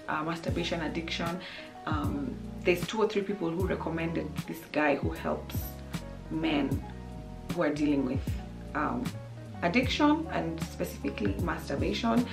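A young woman hosting an advice vlog, talking candidly to camera with a slightly hoarse voice, often restarting her sentences. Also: deep voice. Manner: chatty and candid, with frequent restarts and fillers. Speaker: YouTube advice host. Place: small room with a painting and plants.

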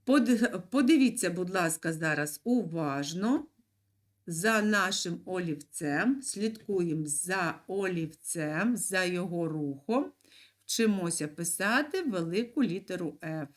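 Slow, lively-voiced woman teacher. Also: fairly low pitch. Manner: slow, clear, encouraging, with sing-song emphasis. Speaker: primary school teacher. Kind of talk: video lesson for young children.

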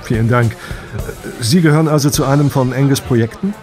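Actor as an easygoing test pilot, music behind. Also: male voice, medium pitch, fairly quick, a little mellow, close to an everyday voice. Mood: warm, grateful. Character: easygoing, dutiful test pilot, older brother. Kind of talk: audio drama acting.

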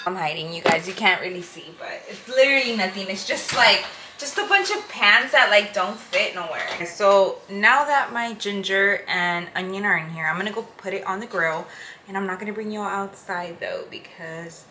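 A woman's voice: medium pitch, animated, normal speed, pushed and bright, a little hiss or hum. A young woman from Houston, Texas, chatting casually and informally as a vlog host in her home kitchen. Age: young adult. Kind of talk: casual vlog chat while cooking. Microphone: handheld or counter-set camera.

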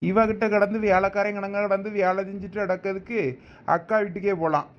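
A man with a Thoothukudi Tamil accent, speaking high and grumbling in a village comedy sketch. The recording sounds dull and lo-fi. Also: little pitch movement, fairly quick. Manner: warning and grumbling. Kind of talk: village comedy drama acting.

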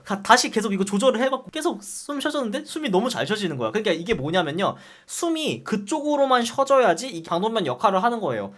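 Fast, animated young man telling a story. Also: high-pitched. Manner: animated, swears freely, acts out voices. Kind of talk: casual anecdote storytelling.

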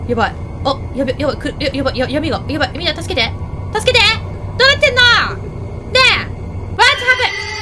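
Peppy high-voiced woman commenting on gameplay. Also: noisy background. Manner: chatty, talks to the game character and the viewers. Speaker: game video host.

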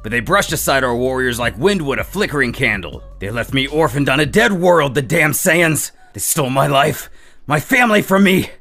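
A bitter, menacing alien invader from a comic story, acted out by a man. He taunts in grand villain speeches with lively swings of pitch. Faint music plays underneath. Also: normal speed, vocal fry, heavily acted. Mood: bitter, grieving anger. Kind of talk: dramatic comic-book character acting.

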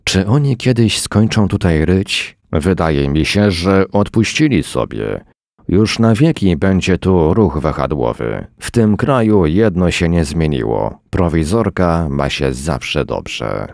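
A man voicing a sarcastic, weary woman in a story reading, his voice lifted higher for her lines. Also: very animated, slow pace, gravelly, darkish tone, no echo, studio quality, heavily acted. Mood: wry sarcastic. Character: sardonic woman, weary and dry.

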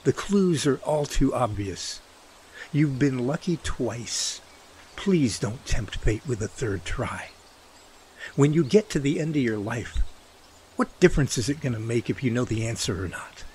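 A man acting an earnest, animated protective brother. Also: mid-range voice, measured pace, a little hiss or hum, lightly acted. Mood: urgent pleading. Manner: earnest, pleading, folksy. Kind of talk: radio drama dialogue.

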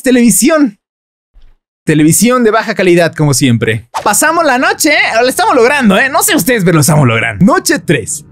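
A man giving playful, joking commentary while playing a game, breaking into squeaky exclamations. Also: no echo, studio quality. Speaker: gaming youtuber. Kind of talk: let's play commentary.

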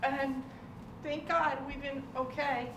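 A woman from a restaurant family, speaking through a face mask in a halting, emotional way in a restaurant dining room. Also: high voice, little pitch movement. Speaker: restaurant owner's family member. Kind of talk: casual conversation. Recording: echoey room from far off with background noise.

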